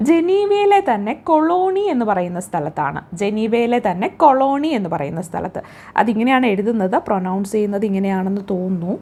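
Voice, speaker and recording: A woman with a Malayali accent teaching exam facts, asking questions and answering them herself with steady repetition. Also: mid-range voice. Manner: coaxing, checks the listener with "kēṭṭō" and "allē". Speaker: exam tutor. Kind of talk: spoken quiz lesson.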